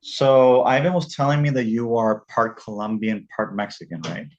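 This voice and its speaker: A man from Southern California hosting a casual podcast interview, talking in halting bursts and often repeating his words. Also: medium pitch, dull audio. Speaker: podcast host.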